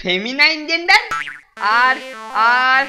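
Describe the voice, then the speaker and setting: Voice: high-pitched, very animated, takes it slowly, exaggerated voice. An actor voicing a dim, sheepish older schoolboy in a children's cartoon, hesitant and full of excuses. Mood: nervous. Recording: music behind the voice.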